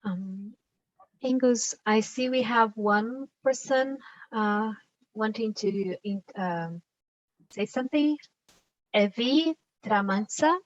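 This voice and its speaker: Slow high-voiced woman, dull sound. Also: no room sound. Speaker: session co-moderator. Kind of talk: calling on participants online. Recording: dull, dry online call audio.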